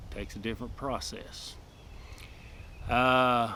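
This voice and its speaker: Speaking with a Texan accent, a man talks at a fairly slow pace. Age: 70s. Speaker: sawmill operator and woodworker. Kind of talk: casual tutorial introduction. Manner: hesitant, with frequent fillers.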